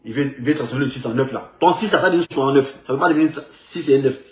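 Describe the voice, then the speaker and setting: A man with an Ivorian French accent rambling through animated street commentary, repeating his words as he goes. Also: mid-range voice, racing, echoey room. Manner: animated, repetitive, loops back on his words. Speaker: man in a circulated video clip.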